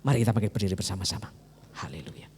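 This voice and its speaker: A man with an East Javanese accent preaching a sermon as a pastor, telling the story lively. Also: a little high, brisk, slight background noise. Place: church hall. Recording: reverberant church hall.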